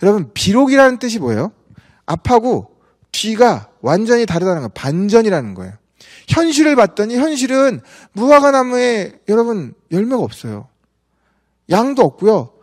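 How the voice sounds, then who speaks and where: A man preaching a sermon as pastor, talking in an animated, conversational way and asking the congregation questions. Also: high voice, normal speed. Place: church sanctuary. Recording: church sanctuary with long reverb.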